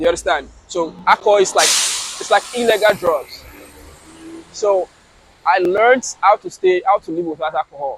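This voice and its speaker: A man's high-pitched voice at a moderate pace with ordinary pitch variation, recorded dry and close with no echo, amid noticeable background noise. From Nigeria, Edo State. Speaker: migrant interviewee. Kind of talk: interview. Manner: casual.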